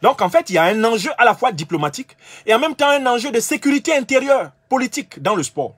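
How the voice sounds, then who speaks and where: A husky man from Cameroon lectures with emphatic, argumentative force. His voice sits high and swings widely in pitch. The sound is dry and close. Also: big pitch swings, quick pace, a bit bright, no room sound. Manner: emphatic, argumentative, addresses listeners directly. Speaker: political commentator. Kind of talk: lecture-style monologue.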